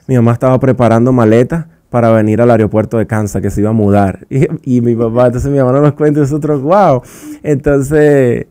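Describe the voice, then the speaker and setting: A man's voice: medium pitch, steady tone, a little fast, dark tone, no room sound, clean studio sound. A young adult man giving a personal faith testimony on Christian radio, earnest and emotional, often restarting his words. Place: radio studio.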